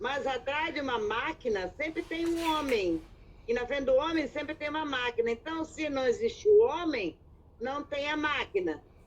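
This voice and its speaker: Here a woman speaks with a high pitch. Her voice moves through very wide pitch swings. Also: moderate pace. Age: 60s. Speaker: audience member. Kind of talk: debate question from audience.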